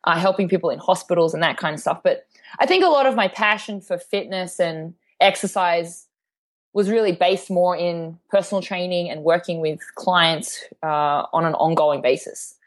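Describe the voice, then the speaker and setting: Upbeat Australian woman, slightly low voice. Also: moderate pace. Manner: chatty, upbeat, many ums and you knows. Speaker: guest, fitness trainer. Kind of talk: casual interview chat.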